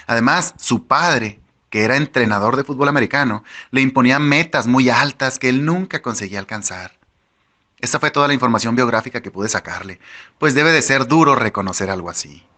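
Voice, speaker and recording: A man reading a first-person audiobook with wry, lively storytelling. His voice is bright and forward, at an ordinary male pitch. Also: brisk. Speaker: audiobook narrator.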